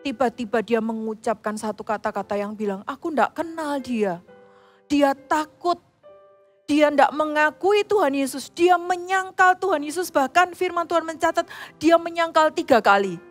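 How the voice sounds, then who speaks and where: A woman telling a Bible story to children in church, animated and acting out the quotes. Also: high-pitched, moderate pace, faint music behind. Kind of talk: sermon to children.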